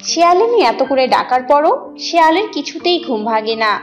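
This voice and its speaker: A woman reading scripted narration for an animated animal story. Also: high-pitched, moderate pace, faint music behind.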